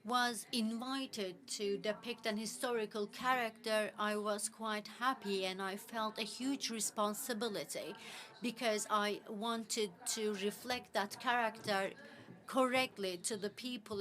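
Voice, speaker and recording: A woman works as a simultaneous interpreter, rendering a panel discussion into English live. Her medium-pitched, slightly bright voice is halting, and she often fills gaps with "actually."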